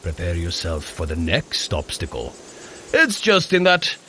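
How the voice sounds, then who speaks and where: An actor playing a boisterous, jovial Norse warrior god who coaches a mortal runner in a scripted audio drama. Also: male voice, huge pitch swings, a little slow, sharp tone, a little hiss or hum, heavily acted. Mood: amused. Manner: jovial, theatrical, booming commands. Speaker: fitness trainer guiding a run.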